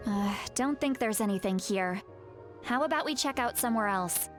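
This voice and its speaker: A woman's voice: a little high, moderate pace, music in the background, close to an everyday voice. A woman playing a brash, impatient tribal warrior in a video game, with a hot-tempered, muttering manner. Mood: decisive. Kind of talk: video game character voice acting.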